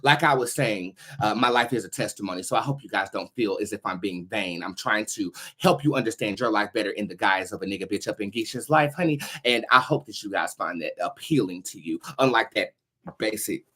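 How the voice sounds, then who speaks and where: A man's voice: fairly low pitch, a bit bright, husky. A man hosting a livestream, talking in a sassy, theatrical way with plenty of swearing and motivational chat. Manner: sassy, theatrical, foul-mouthed. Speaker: host of a tarot livestream show.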